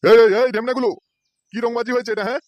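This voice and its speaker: Very fast, high-voiced blustering villager. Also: male voice, fairly even intonation, no echo, dull audio. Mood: furious. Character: irate village man, blustering and threatening. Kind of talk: Bengali comedy cartoon dubbing.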